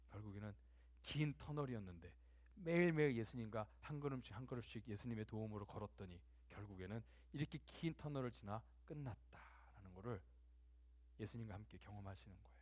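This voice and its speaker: A man preaching a sermon as a pastor in a church, swinging from loud emphasis to soft near-whispers and acting out quoted dialogue conversationally. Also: on the low side.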